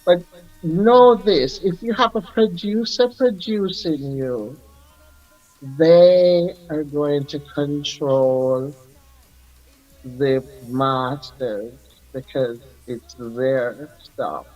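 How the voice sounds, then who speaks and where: Slow-talking older man. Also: fairly high pitch, darkish tone, muffled recording, faint music behind. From Jamaica. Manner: unhurried, reflective, laughs often. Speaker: music artist guest. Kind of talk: radio interview.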